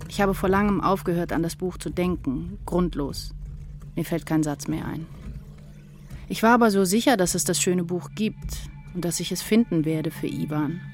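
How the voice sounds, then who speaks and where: An actress playing an anguished woman writer in a literary radio drama, intense and introspective in a poetic delivery. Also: on the low side. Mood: desolate. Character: anguished, brooding woman writer losing her sense of self.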